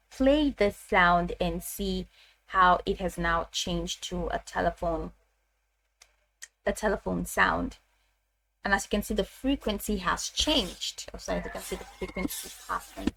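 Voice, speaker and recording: A woman presenting a casual step-by-step software tutorial, talking haltingly and repeating her phrases as she explains. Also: on the low side, a little hiss or hum, poor audio.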